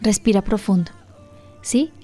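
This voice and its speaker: A woman's voice: medium pitch, a little slow, mellow, soft background music. A middle-aged woman pastor hosting a conversational Christian talk program about parenting, speaking earnestly and checking in with her co-host. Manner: earnest, questioning her co-host, breathing advice.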